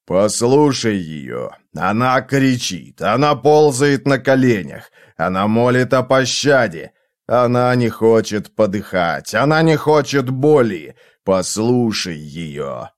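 Man voicing a hoarse burning apparition, dragging every word. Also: medium pitch, big pitch swings. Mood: urgent, eerie. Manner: drawn-out, anguished, insistent exclamations. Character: eerie burning apparition of a tormented, laughing man.

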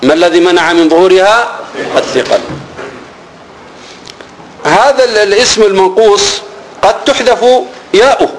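A male teacher explaining a grammar lesson, asking questions and answering them himself, repeating key words and dropping low and soft on each answer. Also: moderate pace, pauses often, slight background noise, low-quality recording.

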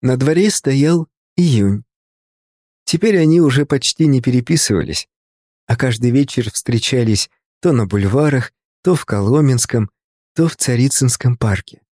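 A male narrator reads a novel in a calm, measured storytelling voice. His tone is warm and mellow, at an everyday pitch. The sound is dry and close, with no room around it. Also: no echo. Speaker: audiobook narrator.

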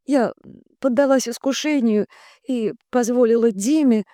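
A woman voicing a gushing, two-faced younger sister who speaks in a high, sugary, effusive way. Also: measured pace, dark tone, dry recording, studio quality, lightly acted. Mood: tearful.

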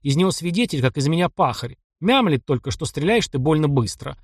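A man's voice: fairly high pitch, animated, fairly quick, slightly rough, no room sound, clean studio sound. A man reading the lines of a stern, grumbling male counterintelligence officer in an audiobook. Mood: skeptical. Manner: grumbling, reproachful.

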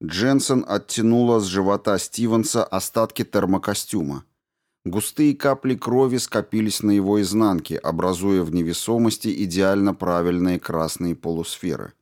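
A man reading a story aloud in a steady, measured narration. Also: low voice. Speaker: audiobook narrator. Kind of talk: scripted narration.

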